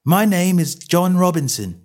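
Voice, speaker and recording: Timid nervous little man, whining, quavering, very high voice, played by a man. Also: lively intonation, unhurried, darkish tone. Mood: eager.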